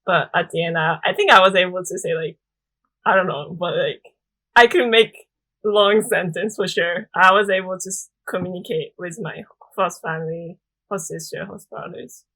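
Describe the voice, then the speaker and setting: A woman's voice: on the low side, fairly even intonation, normal speed, rough recording. A young Japanese woman with a Japanese accent, chatting as a guest on a podcast, filling her speech with "like.". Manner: chatty, frequent "like" fillers, soft laughs. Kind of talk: casual podcast interview.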